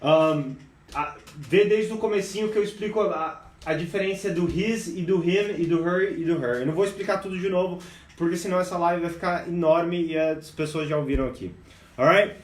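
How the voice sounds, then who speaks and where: Lively Brazilian man teaching English live. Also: fairly high pitch, normal speed, recorded from a distance. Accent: Brazilian Portuguese. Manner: lively, addresses viewers as "guys". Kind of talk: live-streamed English lesson. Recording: echoey room, voice a bit off-mic.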